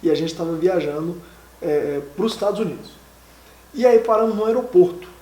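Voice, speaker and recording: A high-pitched man tells a lively, emotional personal story as an interview guest, full of fillers and restarts. He sits some way from the microphone in an echoey room with a faint hiss. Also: fairly quick. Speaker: interview guest, exam candidate. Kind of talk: casual storytelling. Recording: echoey room, mic from a distance.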